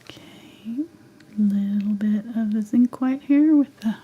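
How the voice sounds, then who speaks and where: A woman's voice: medium pitch, takes it slowly, husky, highs cut off. A woman teaching a live painting tutorial, half-whispering while she paints and losing her voice. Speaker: painting instructor.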